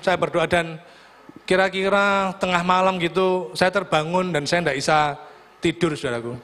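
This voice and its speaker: A man's voice: a little high, fairly bright tone. A middle-aged man preaching a sermon, telling humorous personal stories and often calling the congregation "saudaraku". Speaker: pastor. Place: church hall.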